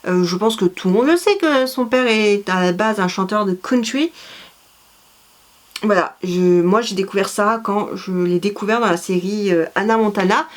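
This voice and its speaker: A woman's voice: medium pitch, normal speed. A woman vlogger, chatting casually and rambling with many fillers and self-corrections. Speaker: vlogger presenting her CD collection. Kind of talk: casual chat.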